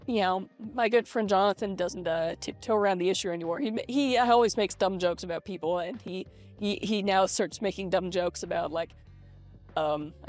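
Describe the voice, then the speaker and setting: A young adult woman talking casually and confessionally in a vlog through a voice changer, in a hesitant, halting way with repeated words. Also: medium pitch. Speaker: vlogger. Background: soft lo-fi video game music.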